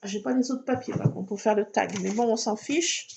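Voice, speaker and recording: Woman, casual crafting vlog, chatty, thinks aloud, gravelly voice, noisy home recording. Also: medium pitch, moderate pace. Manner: chatty, talks to herself while working, fillers like voilà. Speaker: scrapbooking vlogger. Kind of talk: casual crafting chat to viewers.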